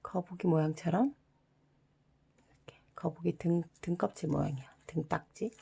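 A young woman hosting an origami tutorial for children, giving soft, half-whispered step-by-step instructions with playful sound words. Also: fairly low pitch, normal speed, vocal fry, slightly rough. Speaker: origami channel host.

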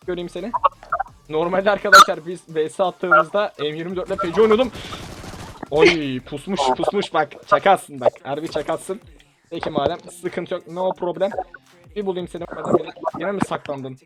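Against loud music, a young man's high-sitting voice runs at a moderate pace as he comments on a shooter game for his channel. The gaming YouTuber keeps things excited, playful, and teasing, with outbursts of laughing shouts.

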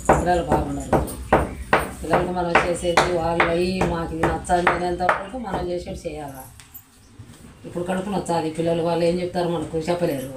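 Middle-aged woman from India, fast earnest speaker, recorded off-mic in an echoing kitchen with loud pots and pans. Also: lowish voice, distant mic, heavy background noise. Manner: earnest, lecturing about home remedies. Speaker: vlogger's mother.

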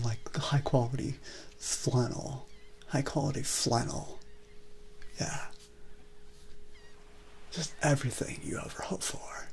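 A young man playing a chill, eccentric Californian surfer-dude resort manager in a soft, whispery voice for comedy ASMR roleplay. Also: mid-range voice, creaky. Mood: chill, boastful. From California, United States. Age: young adult. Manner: laid-back, slang-heavy, drawn-out. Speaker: ASMR performer.

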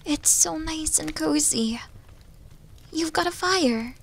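A woman's voice: high voice, slow pace, gravelly, a little hiss or hum, full character voice, low-quality recording. A woman voicing a shy, starving young wolf girl in an ASMR roleplay, hesitant, apologetic and stammering, often slipping toward a whisper. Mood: wistful, hesitant. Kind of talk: ASMR roleplay audio drama.

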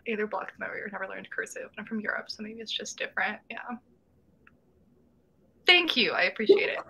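Brief: woman, mid-twenties, livestream host, bright chatty voice, webcam sound from a small room. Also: mid-range voice, animated, brisk, gravelly, breathy edge, poor audio. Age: 20s. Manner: chatty, reads chat comments aloud, laughs often. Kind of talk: casual livestream chat. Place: small room at home, indoors. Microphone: webcam video call.

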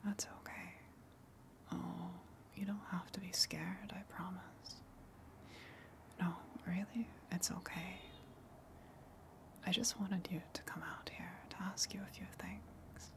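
A gentle, lonely female eldritch monster, played by a woman, speaks in a low, creaky whisper. She is patient and coaxing, with soft, halting reassurance in an intimate ASMR roleplay style. The pace stays very unhurried. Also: steady tone. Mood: soothing. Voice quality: breathy whisper.

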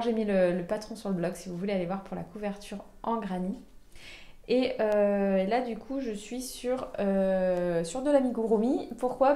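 A chatty woman with a mellow, warm voice hosts a knitting podcast. She talks casually in a show-and-tell way, full of fillers and restarts. The room around her is echoey. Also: mid-range voice. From France.

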